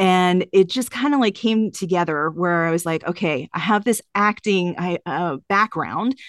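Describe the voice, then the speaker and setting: Dry and close with no echo over a quiet background, a woman speaks in a plain, everyday voice at medium pitch with ordinary pitch variation. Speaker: audiobook narrator and manuscript editor. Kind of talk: casual interview chat.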